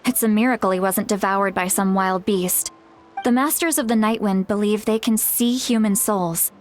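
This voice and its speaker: A woman's voice: medium pitch, moderate pace, close to an everyday voice. An actress playing a frank, self-deprecating tribal elder woman in a video game, speaking casually with wry, hesitant asides. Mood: serious. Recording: music behind the voice.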